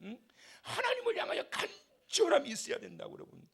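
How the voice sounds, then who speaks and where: Male pastor at a revival service, lively animated pitch, shouts then drops to soft asides, leads the congregation in call-and-response. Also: brisk, creaky. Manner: impassioned, shifts between shouting and soft asides. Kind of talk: revival sermon. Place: church sanctuary.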